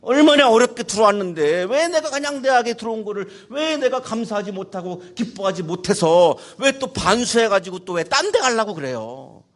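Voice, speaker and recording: Animated, high-voiced male pastor preaching. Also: moderate pace, hardly any pauses. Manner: animated and playful, acting out quotes and calling on listeners. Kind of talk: sermon. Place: university chapel.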